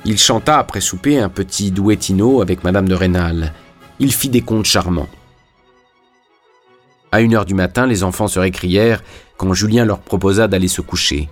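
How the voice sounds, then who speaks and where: A man reading a classic novel aloud in measured, scripted narration. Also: sits low, faint music behind. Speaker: audiobook reader.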